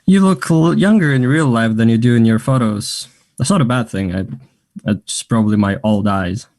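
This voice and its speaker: A man's voice: mid-range voice, normal speed, darkish tone, natural voice. A man acting a flirtatious, self-assured gay man in a naturalistic table read of a play, chatty and teasing. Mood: teasing, amused.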